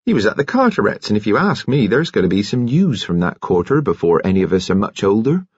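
A man voicing a brisk, cheerful female district nurse with a hearty, bustling manner, as part of a story reading. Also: fairly low pitch, big pitch swings, a little mellow, slightly rough, no room sound, lo-fi sound. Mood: brisk, cheery. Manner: hearty, bustling, chirpy turns of phrase.

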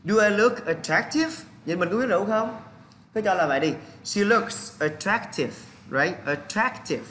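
A man's voice: high voice, expressive, measured pace, fairly bright tone, a little hiss or hum. A man with a Vietnamese accent teaching English vocabulary, drilling pronunciation and switching between English and Vietnamese. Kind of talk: bilingual vocabulary lesson.

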